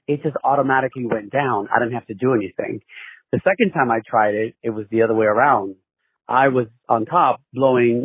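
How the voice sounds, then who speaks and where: A man's voice: mid-range voice, breathy edge, no room sound. A man calling in as a listener, leaving a casual, candid message over a phone. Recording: narrow, tinny phone line.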